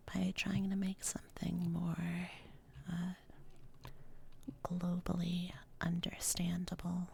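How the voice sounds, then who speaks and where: A woman streamer whispering softly, rambling and chatting to her viewers. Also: on the low side, creaky, slight background noise. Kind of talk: whispered ASMR-style stream chat.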